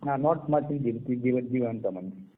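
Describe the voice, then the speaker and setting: Halting Indian man on a phone line. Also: medium pitch, a little hiss or hum. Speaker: company executive answering analysts. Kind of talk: earnings call answers. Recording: tinny narrow-band conference phone line.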